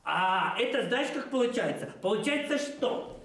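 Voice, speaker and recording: An actor playing a cheerful know-it-all clown on a children's TV show, explaining eagerly with lots of fillers. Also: male voice, extremely high pitch, expressive, normal speed, fairly bright tone, full character voice. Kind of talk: playful children's TV banter. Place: indoor TV studio set. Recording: roomy studio set, mic at a distance.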